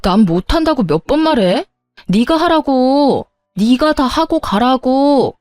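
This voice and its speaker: A woman's voice: fairly high pitch, lively intonation, normal speed, a little mellow, no echo, faint music behind, close to an everyday voice. Woman voicing an entitled bossy sister-in-law. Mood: angry. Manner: entitled, whiny, demanding. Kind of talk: dramatized story voicing.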